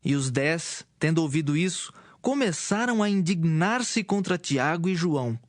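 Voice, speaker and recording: A man's voice: fairly high pitch, expressive, moderate pace, dry recording, clean studio sound. A man reading scripted narration for a dramatized audio Bible.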